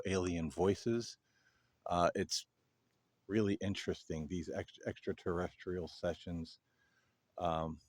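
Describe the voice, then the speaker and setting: A man hosting a paranormal video, talking casually and earnestly to viewers in halting phrases. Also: low-pitched. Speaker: paranormal investigator, video host. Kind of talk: casual explanatory monologue to viewers.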